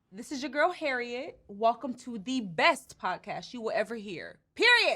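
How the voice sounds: Delivered at a moderate pace, a put-on character voice makes big pitch swings in a bright, sharp tone. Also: woman, fairly high pitch for a woman.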